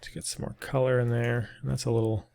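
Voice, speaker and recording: A man's voice: mid-range voice, level tone, fast, vocal fry, darkish tone. A man narrating a casual 3D texturing tutorial, thinking aloud with many ums, and slightly losing his voice. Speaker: 3D modeling tutor. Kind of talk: casual screen-recorded software tutorial.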